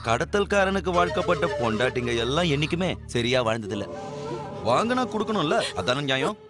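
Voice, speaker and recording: A man's voice: a little high, big pitch swings, brisk. A man acting a threatening moneylender villain in a dubbed film drama, menacing in manner. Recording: film soundtrack with loud music beneath.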